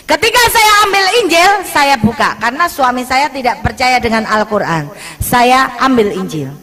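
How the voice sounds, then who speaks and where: Bright high-voiced woman preacher. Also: moderate pace, long reverb tail. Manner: animated, acts out dialogue, mixes in Javanese. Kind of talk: storytelling sermon.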